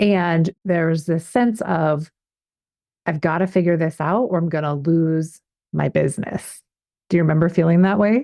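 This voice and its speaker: A woman speaks at a moderate pace with a fairly low pitch and a dark, mellow tone. Her pitch variation is ordinary. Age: 40s. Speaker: podcast host and business coach. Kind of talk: interview.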